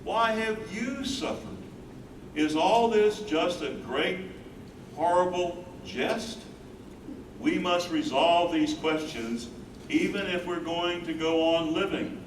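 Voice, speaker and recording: A man's voice: high-pitched, takes it slowly. A man in a staged reading, playing a tender, devoted elderly husband of a wife with Alzheimer's. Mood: questioning, anguished. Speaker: stage reader. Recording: echoey room, far from mic, background noise.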